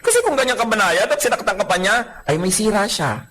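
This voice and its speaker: A man delivers a sermon in a lively, humorous way. His voice sits a little high and swoops widely in pitch, and its tone is bright and forceful. He often slips into acted-out voices of the people in his examples. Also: quick pace, a little hiss or hum, poor audio. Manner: mixes in English phrases and Bible verses. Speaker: preacher.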